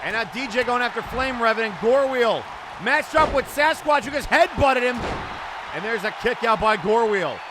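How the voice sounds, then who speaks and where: A man giving live play-by-play wrestling commentary with excited, exclamatory calls. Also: very high-pitched, normal speed. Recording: noisy event audio with loud crowd. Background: crowd and arena noise.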